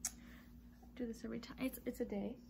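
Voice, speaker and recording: A woman in her thirties chats to camera in her yarn-filled home room, rambling easily with little laughs and ums. Her nose is stuffy and her voice has a gravelly edge. A steady hiss of background noise sits under the recording. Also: fairly high pitch, normal speed. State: stuffy nose, a bit congested. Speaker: knitting podcast host. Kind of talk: casual chatty monologue to camera.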